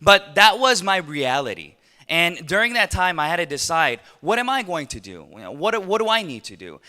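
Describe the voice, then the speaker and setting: A man in his thirties from Los Angeles, giving an animated, story-driven talk to a live audience, with frequent laughs and rhetorical questions. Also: a little high, moderate pace. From USA (Los Angeles). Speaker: motivational speaker.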